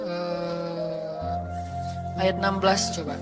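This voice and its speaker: A male preacher in a casual, colloquial sermon, storytelling with feeling and slipping into the voices of his characters. His voice sits somewhat high and carries a long reverberant tail. Music plays clearly in the background. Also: level tone, extremely slow. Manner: colloquial, emotive, acts out quoted voices. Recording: reverberant hall with music behind.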